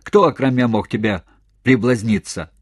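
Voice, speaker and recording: A man voicing a cranky, hoarse old village man in an audiobook, grumbling and scolding as he argues. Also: mid-range voice, moderate pace, dry recording, studio quality, natural voice.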